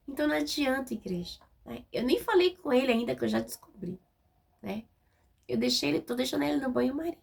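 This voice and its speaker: A Brazilian-accented woman delivers a sermon in a plain, direct, conversational way, often checking in with her listeners. Her voice sits a little high, with a gravelly edge and a husky, rough texture. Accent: Brazilian Portuguese. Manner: direct, informal, frequent tag questions. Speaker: preacher.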